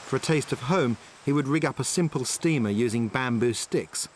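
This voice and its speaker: Male survival presenter, mid-range voice, calm step-by-step explainer, recorded outdoors on a tropical island. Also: mid-range voice, moderate pace, slight background noise. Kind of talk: documentary narration and on-location demonstration.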